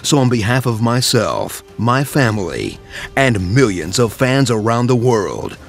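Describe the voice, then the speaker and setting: A man's voice: mid-range voice, sing-song, a little slow, creaky, faint music behind. A man narrating a scripted tribute as a professional voice actor, with a polished, dramatic announcer delivery.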